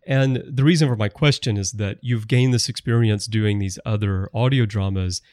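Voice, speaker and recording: A man's voice: on the low side, normal speed, a little mellow, no echo. A man hosting a podcast in casual conversation, rambling a little and asking long, winding questions. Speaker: podcast host.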